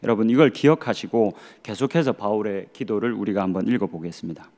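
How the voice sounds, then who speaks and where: A pastor in his thirties from Korea's Gyeongsang region preaches in a fairly low, slightly mellow voice at a quick pace, with a Gyeongsang accent. His sermon is earnest, using rhetorical questions and dry humor.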